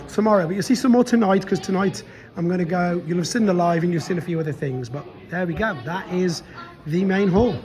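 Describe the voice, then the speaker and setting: Filming a walk-around vlog at a convention venue, a toy vlogger talks casually in a voice that sits high and sounds a little mellow. He rambles, keeps restarting his sentences, and is losing his voice.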